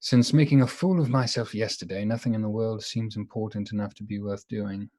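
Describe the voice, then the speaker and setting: An actor playing an earnest, melancholy, lovesick gentleman doctor in a radio play, formal and hesitant. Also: fairly low pitch, steady tone, brisk, close to an everyday voice. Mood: gloomy.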